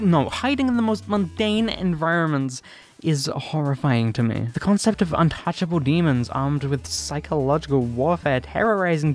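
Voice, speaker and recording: A video essayist giving casual scripted commentary in a wry, sardonic, playfully exaggerated manner. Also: medium pitch.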